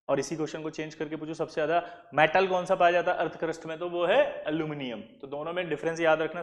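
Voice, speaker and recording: A man's voice: on the high side, fairly bright tone, big-room sound. A male chemistry teacher lecturing a class, who keeps quizzing his listeners with repeated questions.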